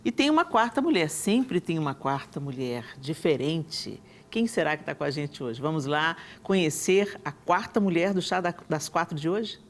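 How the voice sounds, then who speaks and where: A woman's voice: low voice, expressive, moderate pace, few pauses. A woman hosting a TV talk show from a studio, speaking enthusiastically with frequent restarts and tag questions. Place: television studio.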